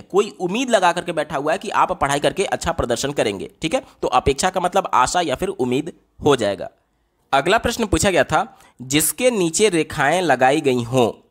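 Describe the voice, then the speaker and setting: A man's voice: a little high, a bit bright. A man teaching through exam questions step by step, posing questions and answering them himself while he writes on a board. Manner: explains step by step, asks and answers his own questions, repeats "theek hai?". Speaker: teacher solving exam papers. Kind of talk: exam-paper lesson explanation.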